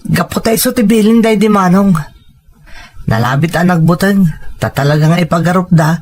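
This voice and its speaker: A man as a high-voiced, dutiful grown son. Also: moderate pace. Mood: explaining. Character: dutiful adult son, respectful, soothing younger brother. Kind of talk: Filipino radio drama acting.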